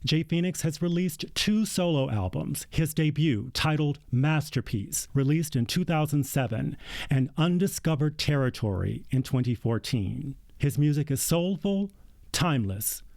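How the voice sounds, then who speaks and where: A man hosting a radio interview show, reading a measured introduction before chatting with his guest. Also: a little high, expressive, creaky, darkish tone, no echo. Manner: measured, reads credits. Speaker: radio host. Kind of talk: scripted intro then interview. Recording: music bed behind.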